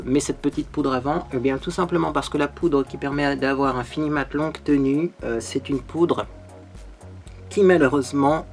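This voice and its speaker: A man hosting a makeup tutorial, talking in a bubbly, chatty way and often tagging his sentences with little fillers. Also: fairly high pitch. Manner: bubbly, chatty, peppered with "hein". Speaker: beauty vlogger.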